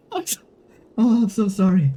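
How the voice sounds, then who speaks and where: A man's voice: high-pitched, dark tone. A man streaming a game live, shaken and stressed, swearing and repeating himself.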